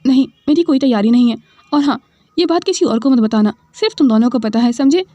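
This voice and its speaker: A woman's voice: high-pitched, expressive, quick pace, warm tone, no echo. A woman voicing a dramatic young female student who complains in a whiny, indignant way. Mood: annoyed.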